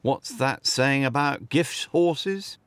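Playful male narrator with lively pitch. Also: slow. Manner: playful, punning. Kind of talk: scripted narration.

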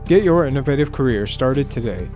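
A man's voice: mid-range voice, animated, brisk, darkish tone. Young man reading radio spots over music. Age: young adult. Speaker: media student and radio announcer. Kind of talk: scripted radio commercial narration.

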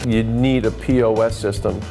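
A man in his forties, co-owner of a market and restaurant, talking in a relaxed, plain-spoken way in an indoor interview. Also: on the low side, normal speed. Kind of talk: casual testimonial interview. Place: restaurant dining room, indoors. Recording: music playing underneath.

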